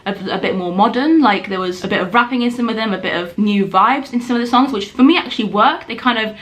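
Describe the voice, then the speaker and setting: Young woman, Persian as first language, chatty and expressive, talking straight to camera in a small room. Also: on the high side, quick pace. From Iran. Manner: chatty and expressive, with lively gestures. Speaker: film reviewer. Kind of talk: casual vlog review. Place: small hotel room, indoors. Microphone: camera in front at close range.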